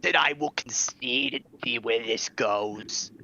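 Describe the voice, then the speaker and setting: A man voicing a calm woman in a black cloak in a fantasy story, with a husky, creaky voice and a measured, formal manner. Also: medium pitch, lo-fi sound, a little hiss or hum. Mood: musing. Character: calm cloaked woman speaking to her horse.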